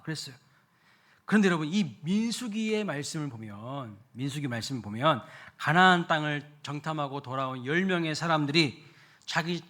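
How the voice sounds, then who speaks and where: A middle-aged male pastor preaching a Sunday sermon in a church, animated, with big swings in loudness and many rhetorical questions to the congregation. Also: a little high. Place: church sanctuary.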